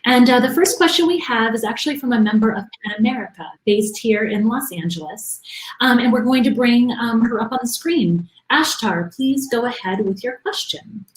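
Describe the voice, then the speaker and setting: A woman's voice: fairly high pitch, expressive, moderate pace. A woman hosting a Q and A, speaking in a polite introductory style, in a roomy, echoing recording. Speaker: event host, Q and A facilitator. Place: remote video event.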